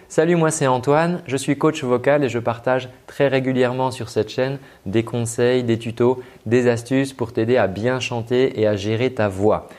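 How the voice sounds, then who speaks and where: A man working as a vocal coach, giving a spoken lesson with frequent hesitations and demonstrating flat and lively ways of speaking. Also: mid-range voice.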